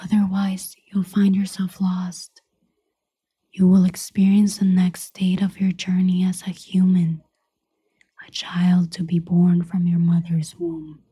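A woman voicing a solemn, calm guiding spirit in an audio story, with a breathy, whispery voice and a measured delivery. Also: on the low side, exaggerated voice. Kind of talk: fictional audio story acting.

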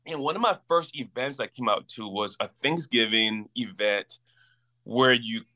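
A man in his twenties from Liberia, a campus minister telling his story as a guest in a casual interview, earnest and animated. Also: medium pitch, unhurried. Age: 20s.

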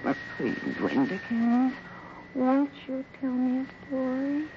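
A woman's voice: high-pitched, takes it slowly, exaggerated voice. An actress playing a bossy female swindler who feigns sweet affection and can be scornful, in 1950s radio drama style. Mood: cooing, flattering. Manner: tough and scornful, switching to cooing flattery. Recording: noisy, muffled 1950s radio recording.

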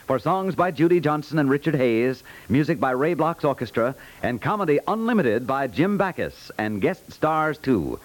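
A man's voice: on the high side, big pitch swings, normal speed, few pauses. A male American announcer reading a scripted 1950s radio promotion.

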